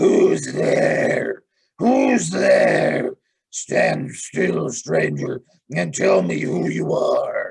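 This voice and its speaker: A man's put-on character voice, growling and raspy, at a very slow pace. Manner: threatening, demanding.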